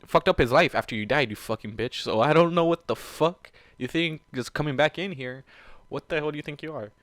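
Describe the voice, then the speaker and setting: A man's voice: on the high side, a little fast, fairly bright tone, dry recording. A man reading fan fiction aloud and breaking off for incredulous, sweary, casual commentary.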